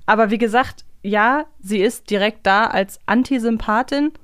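A woman's voice: on the high side, moderate pace, fairly bright tone, clear, resonant tone, dry recording, studio quality. A young adult woman co-hosting a podcast in a casual, reflective, conversational way. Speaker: podcast co-host. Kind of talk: casual fan podcast chat.

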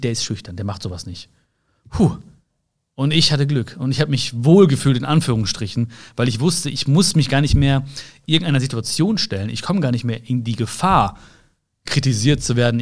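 Earnest German man giving motivational talk. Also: medium pitch. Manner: earnest, searching, many fillers and restarts; addresses listener directly with rhetorical questions. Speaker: personal development speaker.

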